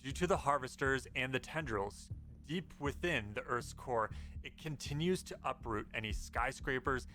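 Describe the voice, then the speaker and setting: A man with a bright, forceful voice delivers informal gaming news commentary as the host of his own video. His pitch sits in the middle range for a man. Faint music plays behind his voice. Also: normal speed. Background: background music.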